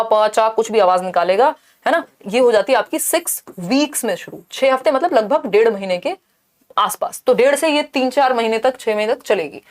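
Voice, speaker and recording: A woman teacher explaining an exam-prep lesson step by step, mixing in English terms and asking rhetorical questions. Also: a little high. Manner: asks rhetorical questions and checks in with "thik hai".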